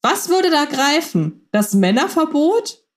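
A woman's voice: high voice, very animated, slow pace. A woman co-hosting a fan podcast, chatting casually and thinking aloud with questions. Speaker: podcast co-host.

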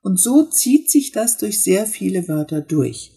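A woman hosting a podcast language lesson, explaining pronunciation step by step and modelling words slowly. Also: mid-range voice, very animated, warm tone, husky. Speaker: Swedish teacher and podcast host.

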